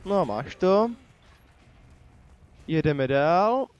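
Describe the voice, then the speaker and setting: Chatting into a desk microphone, a Czech man jokes through his gameplay and talks back to on-screen enemies like a typical let's play commentator. He sounds slightly high and sing-song, and the audio is lo-fi.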